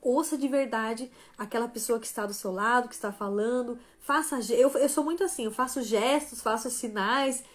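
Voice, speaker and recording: A woman's voice: a little high, moderate pace, hardly any pauses. Woman teaching on a live stream. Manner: tags most phrases with "né?" and "tá?"; shifts between softer and stronger emphasis. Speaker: live stream host and author.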